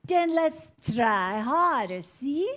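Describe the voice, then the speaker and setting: A woman voicing a bossy, sassy car navigation system in a staged comedy reading, announcing deliberately. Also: high-pitched, sing-song, fairly bright tone, exaggerated voice. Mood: bossy, unflappable. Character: bossy female car GPS with sassy flair.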